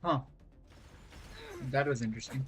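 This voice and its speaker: A man's voice: medium pitch, moderate pace. A man streaming a video game, reacting live and reading dialogue aloud. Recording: game music under the voice. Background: game music.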